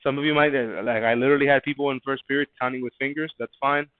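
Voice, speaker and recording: A man's voice: mid-range voice, steady tone, fast talker, no room sound. A man teaching a math class, going over quiz answers in a casual, chatty way and often restarting his words. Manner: casual, conversational, repeats words while thinking. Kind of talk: classroom lesson reviewing a quiz. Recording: dry, phone-like narrow sound.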